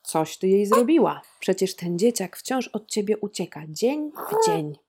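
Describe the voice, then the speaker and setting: A woman's voice: mid-range voice, very animated, a little slow, warm tone, breathy edge, voice pushed up. A woman reading the lines of an older woman who reproachfully accuses the heroine. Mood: accusing.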